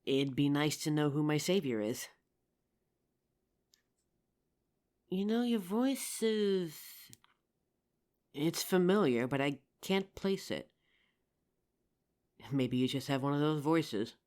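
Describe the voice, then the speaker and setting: A woman playing an injured young survivor of a zombie apocalypse in a roleplay audio drama, with halting, emotive delivery. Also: sits low, lively intonation, darkish tone. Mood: weary, wary.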